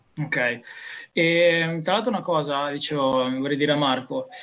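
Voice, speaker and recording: Speaking at a fairly slow pace, a man with a fairly high voice shows ordinary pitch variation. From Genoa, Liguria, Italy. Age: 20s. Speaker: digital marketing consultant. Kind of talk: live Q&A panel chat about ad campaigns.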